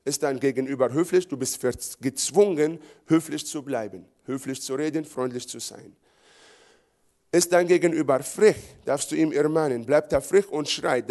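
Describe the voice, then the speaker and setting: A man's voice: fairly high pitch, darkish tone. A middle-aged man from Israel, preaching a sermon emphatically in repeated phrases. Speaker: pastor.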